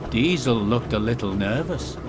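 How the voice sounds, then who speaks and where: A man's voice: mid-range voice, lively intonation, moderate pace, noisy background. A man narrating a scripted children's story as a storyteller.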